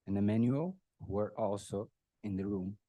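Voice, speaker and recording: At a birthday tribute, a middle-aged man from Brazil whose first language is Portuguese delivers a personal, joke-filled speech. He is emotional, clears his throat often and pokes fun at himself, speaking at normal speed in a lowish voice on a dry, lo-fi recording.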